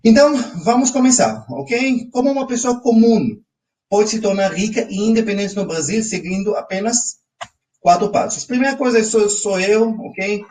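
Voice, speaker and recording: An Israeli man, a native Hebrew speaker with an Israeli accent, works as a financial coach and leads a live online finance class. His voice sits high and moves at a normal speed. He's energetic and keeps prompting viewers with a frequent "ok?", heard on a distant mic in a rough recording.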